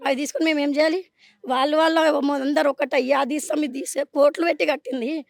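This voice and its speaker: A woman with a Telangana accent speaks in a street interview, angry and demanding, her voice high and gravelly. She talks at a rapid clip, recorded close and dry. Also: steady tone, no room sound. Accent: Telangana Telugu. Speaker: resident facing eviction.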